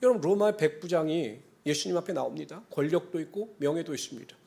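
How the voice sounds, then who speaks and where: A man's voice: fairly high pitch, animated, fast talker, vocal fry, a little mellow. A male pastor preaching a Sunday sermon, earnest and conversational, closing points with formal blessings. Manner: conversational asides and acted-out quotes.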